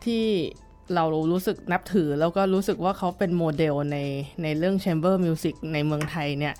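A woman's voice: fairly low pitch, steady tone, normal speed, a little mellow, soft background music. A middle-aged woman violin teacher recalling her past in a casual interview, talking thoughtfully with many fillers and restarts.

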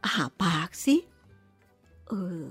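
A woman voicing a flustered, scolding but soft-hearted old aunt in an audiobook. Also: extremely slow, no room sound, soft background music. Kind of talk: audiobook reading.

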